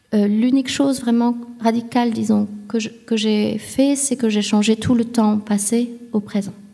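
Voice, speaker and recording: Over noticeable background noise, a woman talks at a fairly slow pace with a fairly high pitch and monotone, flat intonation. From Vietnam. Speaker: visual artist. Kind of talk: public talk.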